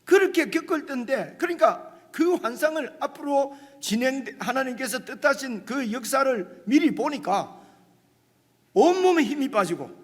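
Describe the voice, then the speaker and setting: A man preaches in a chatty, animated way, often turning to the congregation for agreement. His voice sits high and swings widely in pitch, with a husky edge. A long reverb trails his words through the church. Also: moderate pace. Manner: animated, conversational preaching with rhetorical asides to the congregation. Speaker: pastor. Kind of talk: sermon. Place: church sanctuary.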